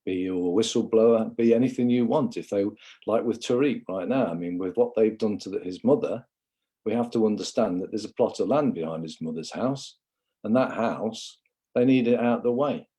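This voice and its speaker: A man's voice: on the low side, moderate pace, dark tone, breathy edge. A man from England giving a rambling, impassioned livestream monologue, often calling viewers "guys".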